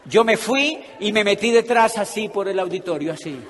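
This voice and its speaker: A man giving a humorous motivational talk to an audience, telling a story about his own past and acting out the scenes with big swings in his voice. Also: normal speed. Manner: animated, acts out scenes with big pitch swings. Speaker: motivational speaker. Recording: echoey hall with faint ambient noise.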